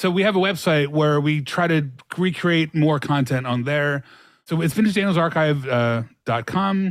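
A man's plain, everyday voice, fairly high in pitch with ordinary pitch variation, at a moderate pace and very even loudness. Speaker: film historian. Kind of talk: casual chat. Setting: video call.

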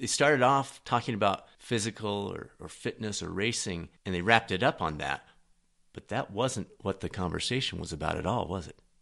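Over a quiet background, a man with a plain, everyday voice talks at a fairly quick clip, his fairly low pitch carried by lively intonation. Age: 50s. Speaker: podcast host and coaching client, runner. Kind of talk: coaching session; podcast monologue.

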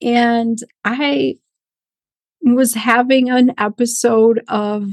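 Somewhat breathy, the voice shows ordinary pitch variation in a dry, close sound with no echo. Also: woman. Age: 40s. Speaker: gynecologist and podcast host. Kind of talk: personal monologue.

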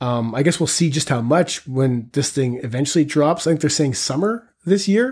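At a moderate pace with hardly any pauses, the speech comes through on a very clean recording with a silent background. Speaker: VR gaming podcast co-host and reviewer. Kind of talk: casual chat. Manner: halting, stumbling.

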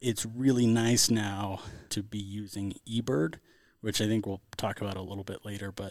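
A man speaks in an ordinary speaking voice with an American accent, his pitch fairly low and his pace moderate. His intonation stays fairly even, and the recording is very clean with a silent background. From Central California. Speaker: former podcast host, biology graduate. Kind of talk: casual interview.

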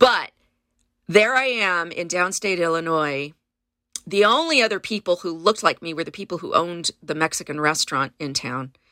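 A woman with a Californian accent, fairly low in pitch, with lively intonation at a moderate pace, in a dry, close sound with no echo. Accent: general American, Californian. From Central California. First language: Spanish. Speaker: actor and theater artist. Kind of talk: interview conversation. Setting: remote call.

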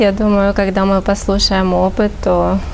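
A woman speaks at a fairly slow pace. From Russian Far East, Vladivostok. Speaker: guest sharing faith testimony. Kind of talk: testimony.

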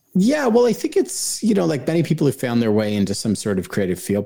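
A man with a Canadian accent and a dark, mellow tone. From Canada, Toronto. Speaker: journalist and author. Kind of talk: casual interview.

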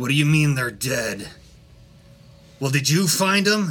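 A man uses a put-on character voice, fairly high in pitch, at a fairly slow pace. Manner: angry, contemptuous, threatening; foul-mouthed, impatient.

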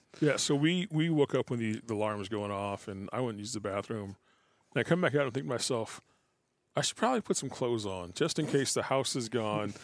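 A man's normal speaking voice, medium in pitch, with lively intonation and a fairly quick pace, on a very clean recording with a silent background. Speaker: podcast co-host with trucking knowledge. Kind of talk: casual chat. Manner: playful, jokey.

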